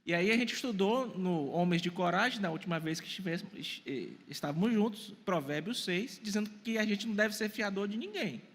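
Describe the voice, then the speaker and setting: A man's voice: high-pitched, fairly quick, hardly any pauses, fairly bright tone, long reverb tail. A man in his forties preaching a sermon to a congregation, putting questions to them and answering them himself. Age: 40s. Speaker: pastor. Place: church hall.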